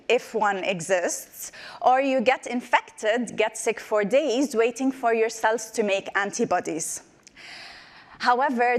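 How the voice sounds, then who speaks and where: A woman in her twenties from Palestine, raised in the Emirates. She gives a short, playful research talk as a PhD candidate, then answers questions with many ums. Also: fairly high pitch.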